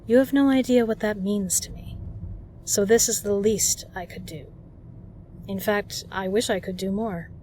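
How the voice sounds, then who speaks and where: A woman's voice: mid-range voice, fairly even intonation, normal speed, mellow, a little hiss or hum, lightly acted. A woman playing a kind, protective, flirtatious bar regular in an audio roleplay, speaking earnestly and reassuringly to the listener. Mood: tender, sincere.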